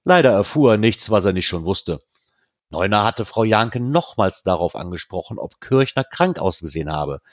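Low-voiced man reading a novel. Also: big pitch swings, moderate pace, no echo, studio quality. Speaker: reader.

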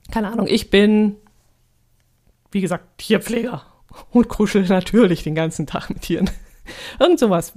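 A woman's voice: mid-range voice, a little mellow. Chatty woman hosting a podcast. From Allgäu, Germany. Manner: chatty, with frequent ähm fillers and little laughs. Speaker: podcast host. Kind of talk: casual solo podcast chat.

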